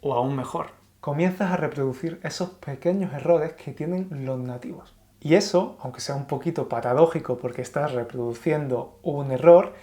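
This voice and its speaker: Man, Andalusian Spanish accent, language teacher, warm mellow tone, encouraging, rephrases points. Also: a little high. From Spain. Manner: encouraging, reformulates points for learners. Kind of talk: explanatory video lesson.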